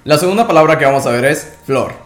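A man hosting a podcast language lesson, explaining calmly and clearly. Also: a little high, quick pace. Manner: calm, explanatory. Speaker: language teacher and podcast host. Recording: echoey room with music behind.

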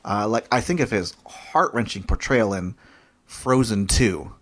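A man's voice: on the low side, expressive, fairly bright tone. A man co-hosting a podcast, chatting casually and joking. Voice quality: joking, quick asides. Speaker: podcast co-host. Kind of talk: casual chat.

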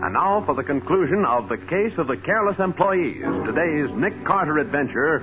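A man's voice: a little high, animated, normal speed. A man announcing and narrating in a dramatic, polished 1940s radio style. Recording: muffled 1940s radio recording. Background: loud music.

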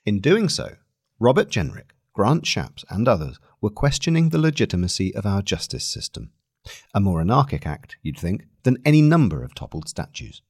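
A man reading a long-form article aloud as scripted narration, with measured, deliberate phrasing. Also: on the low side, darkish tone, breathy edge, no echo, studio quality.

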